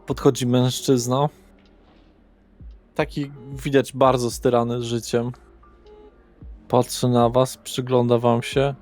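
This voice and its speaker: A man's voice: medium pitch, flat delivery, takes it slowly, pauses often, darkish tone, soft background music. A man narrating a tabletop roleplaying game as its game master.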